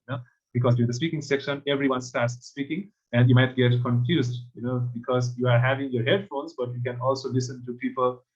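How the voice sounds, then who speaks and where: A man with an Asian accent talks through his test experience at an easy, measured pace, dropping frequent "you know" fillers. His voice sits at a middle pitch. The audio is slightly dull and lo-fi, like a webinar call. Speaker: test prep instructor. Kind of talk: webinar panel talk.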